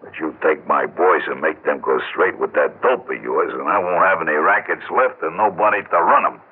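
An actor playing a blunt, menacing big-city gangster boss with slangy tough-guy talk and a husky voice, in a 1940s-style radio drama. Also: extremely low pitch, brisk. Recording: tinny old radio recording.

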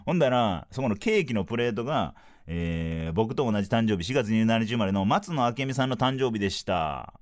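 Kansai-accented male comic, 30s, low voice, lively swings, solo podcast storyteller. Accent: Kansai Japanese. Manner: animated, acts out dialogue in quick bursts. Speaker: podcast host, comedian.

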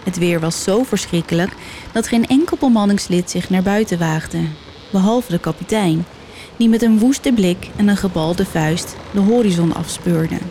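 Woman narrating a legend with measured drama. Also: medium pitch, dark tone, a little hiss or hum. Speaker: storyteller. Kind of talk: scripted narration.

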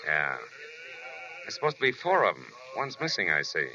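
A man's voice: low voice, huge pitch swings, moderate pace, a crowd in the background. A man playing a wry, hard-boiled American private detective in a 1940s radio drama, with clipped tough-guy delivery. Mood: needling. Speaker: lead actor and first-person narrator. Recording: muffled old radio recording, faint hiss.

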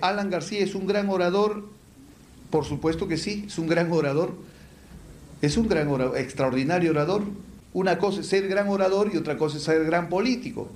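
A man teaches public speaking to a room full of people. His voice sits fairly high, and he asks himself questions before answering them in crisp lists. The hall gives his voice a noticeable echo. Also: moderate pace, darkish tone, slight background noise. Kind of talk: lecture to a live audience. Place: lecture hall with an audience. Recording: echoey room.

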